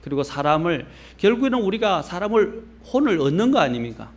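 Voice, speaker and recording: A man's voice: high-pitched, big pitch swings, brisk. Earnest preaching man, faint Gyeongsang accent. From Gyeongsang region, Korea. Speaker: pastor. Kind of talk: sermon.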